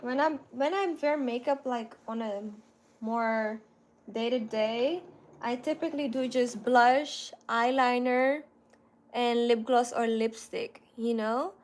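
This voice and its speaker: A woman in her thirties talks casually to her viewers. Her voice sits a little higher than most women's. She keeps a loose, chatty flow, full of "like" and "you know". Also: fairly even intonation, slow pace. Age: 30s. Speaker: content creator. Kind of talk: casual livestream chat answering viewers.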